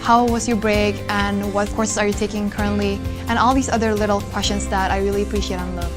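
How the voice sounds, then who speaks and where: A woman's voice: mid-range voice, level tone, a little fast. A woman from Indonesia, a longtime international student, speaking appreciatively. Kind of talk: testimonial interview. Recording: music bed behind voice.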